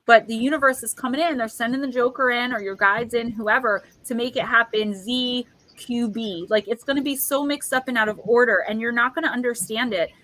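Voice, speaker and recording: Bright, chatty woman hosting a stream. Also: on the high side, fairly quick, few pauses, poor audio. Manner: chatty, rambling, heavy use of "like". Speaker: livestream host and tarot reader. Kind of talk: casual live chat.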